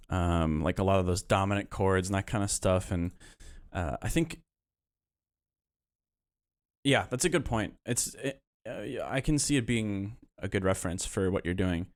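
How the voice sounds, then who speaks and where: A man hosting a casual livestream, giving relaxed, hesitant feedback on listeners' music with many pauses and fillers. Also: lowish voice.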